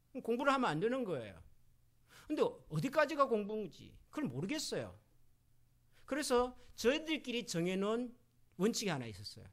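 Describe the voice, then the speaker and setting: A middle-aged man preaching a sermon as pastor, asking the congregation questions and acting out quoted voices. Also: high voice. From Korea.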